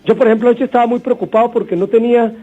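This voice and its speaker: A man's voice: extremely high pitch, flat delivery, very fast. A man with a Colombian accent hosting a motivational radio sermon, repeating points and telling stories; his voice sounds strained. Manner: warm storytelling, repetitive exhortation. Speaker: radio host. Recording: dull radio broadcast, faint music.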